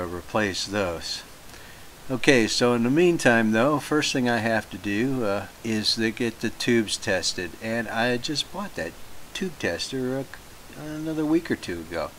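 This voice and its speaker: Slow, low-voiced hobbyist man. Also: a bit bright, slight background noise. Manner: unhurried, hesitant with many fillers. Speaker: hobbyist radio collector. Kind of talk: casual talk to camera.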